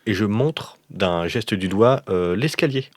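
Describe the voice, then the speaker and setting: A man's voice: lowish voice, expressive, measured pace, no room sound, studio quality. A man playing an improvised role-playing game, describing what his character does.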